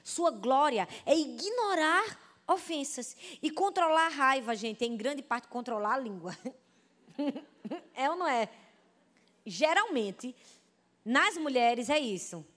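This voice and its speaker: A Brazilian woman pastor preaching a sermon, telling stories with lively, animated delivery and often turning to the congregation. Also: high-pitched, slow pace, pauses often. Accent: Brazilian Portuguese. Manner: animated storytelling, addresses the congregation as "gente". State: pregnant.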